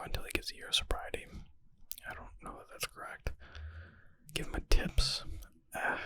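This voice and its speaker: Whispering man, breathy ASMR reading. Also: sharp tone, dry recording. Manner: informal, thinking aloud, murmured asides. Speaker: ASMR creator reading and answering medical exam questions.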